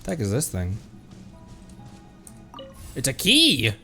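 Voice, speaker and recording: A man's voice: mid-range voice, huge pitch swings, slow pace, sharp tone. A man doing casual gameplay commentary as a streamer, chatty and thinking aloud. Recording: game music behind voice. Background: video game music.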